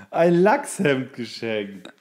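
A man's voice: medium pitch, very animated, extremely slow, darkish tone, husky. Man in his thirties chatting casually. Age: 30s. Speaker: podcast co-host. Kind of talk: casual chat.

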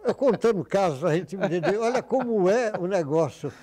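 An older man recounts his doctoring stories in an easy, anecdotal way, slipping into other people's voices as he quotes them. His voice sits a bit high yet sounds mellow and relaxed. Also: moderate pace. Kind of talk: casual storytelling interview.

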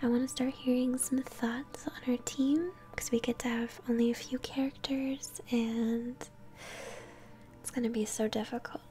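A young woman whispering gently as she hosts an ASMR let's-play, commenting on a game. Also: on the high side, fairly even intonation, unhurried. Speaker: host, gamer. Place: small room at home, indoors.

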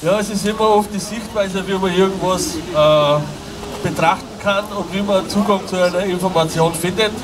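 A man's voice: high voice, fairly even intonation, normal speed. Man moderating an outdoor rally. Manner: hesitant, fills with äh. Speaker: event moderator. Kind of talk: announcing speakers at a rally. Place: outdoor city square. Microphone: handheld mic, filmed from afar. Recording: distant with outdoor street noise.

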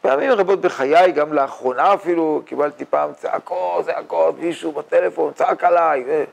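Older male rabbi, gravelly tone, animated Torah lecture, lots of rhetorical questions. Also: fairly high pitch, a little hiss or hum. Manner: animated, rhetorical questions, mock-boastful asides. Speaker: rabbi teaching a yeshiva class. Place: yeshiva study hall, indoors.

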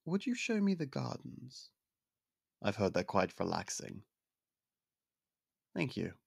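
Young royal suitor, male, deep and fry-laden, soft-spoken and courteous, dry close-mic ASMR read, voiced by a man. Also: huge pitch swings, slow, no echo, heavily acted. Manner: polite, formal, soft-spoken courtship talk. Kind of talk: ASMR roleplay.

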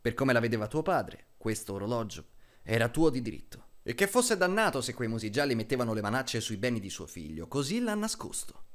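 A man playing a solemn middle-aged military officer in a film dub, speaking to a child in a measured, deliberate way with dramatic pauses. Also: mid-range voice, very animated, close to an everyday voice. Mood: earnest, deadpan. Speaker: voice actor dubbing a film character.

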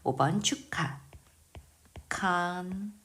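A woman who speaks Korean natively, teaching English vocabulary in a slow, careful lesson and patiently drilling pronunciation word by word. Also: on the low side, a bit bright. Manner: patient, precise pronunciation drills with repeated words.

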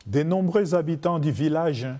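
A man giving even, formal scripted documentary narration. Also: a little high, normal speed, crowd noise.

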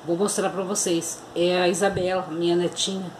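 A woman's voice: fairly low pitch, flat delivery, normal speed, a little mellow, a little hiss or hum. Chatty Brazilian woman vlogging in an echoey home. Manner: chatty, keeps addressing viewers, fond diminutives. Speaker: vlogger and grandmother. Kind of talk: casual home vlog chat to viewers. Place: home kitchen and living room, indoors. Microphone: phone camera held at arm's length.

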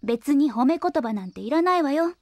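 An actress playing a determined, prickly young engineer and little sister in an audio drama, brisk, stubborn and easily exasperated. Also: female voice, sits high, animated, darkish tone, no echo. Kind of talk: Japanese audio drama acting.

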